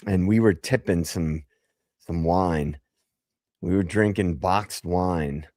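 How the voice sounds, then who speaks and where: Hoarse, deep-voiced male stream host. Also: takes it slowly, a little mellow, no room sound, studio quality. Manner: loose and profane, jokey. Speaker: livestream host. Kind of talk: casual livestream chat.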